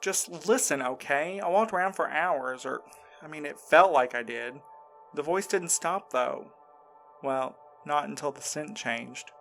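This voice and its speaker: A man acting in an audio drama as a shaken, insistent man recounting a frightening ordeal in a halting, earnest way. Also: a little high, gravelly, fairly bright tone, faint music behind. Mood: shaken, recollecting.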